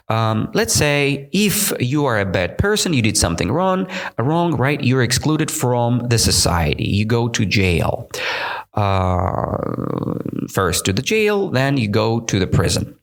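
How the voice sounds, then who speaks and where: A man's voice: mid-range voice, vocal fry. A man from Russia with a Russian accent, hosting an English-learning podcast and explaining words in a chatty way, often asking "right?". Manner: chatty, keeps checking with "right?". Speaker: English teacher, podcast host. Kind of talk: explaining vocabulary while reading comments aloud.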